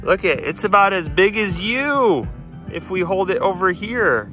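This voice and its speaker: A man's voice: high-pitched, lively intonation, a little slow, sharp tone. A middle-aged man talking casually on camera while riding and fishing outdoors, enthusiastic and encouraging. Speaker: e-bike reviewer, father. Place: outdoors, suburban streets and lakeside. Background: music.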